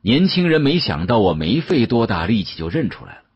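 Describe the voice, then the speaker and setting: A man's voice: fairly low pitch, sing-song, a little fast, slightly rough. A man narrating an audiobook in a dramatic, first-person storytelling style. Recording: dull, muffled audio.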